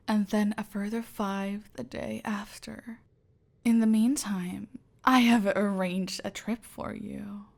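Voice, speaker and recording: A woman voicing a cold, controlling female cartel boss in an ASMR roleplay, giving slow, deliberate orders, often in a whisper. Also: medium pitch, creaky, a little mellow. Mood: silky, menacing.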